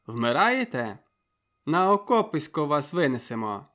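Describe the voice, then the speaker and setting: A male audiobook narrator voicing a loud, teasing, middle-aged village woman who shouts jokes and brusque orders. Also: a little high, sing-song, measured pace. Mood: teasing, boisterous.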